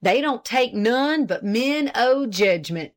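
A woman's voice: medium pitch, sing-song, unhurried, fairly bright tone. A woman voicing a pompous, self-important old farmer husband with an indignant, boastful rural drawl.

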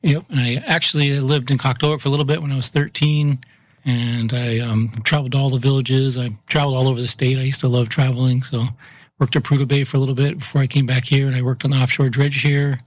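A man's voice: mid-range voice, flat delivery, quick pace, no room sound. A plainspoken man answers interview questions about the pipes and water system he runs. He talks in an easygoing way and often ends his thoughts with a loose "so" or "yep". His voice sits in a middling range. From Massachusetts, US. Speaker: utilities chief of operations. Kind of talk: casual interview.

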